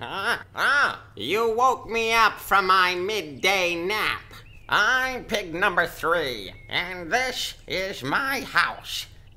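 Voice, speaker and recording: Speaking very slowly, a man uses a put-on character voice pitched high for a man. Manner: gruff, cocky.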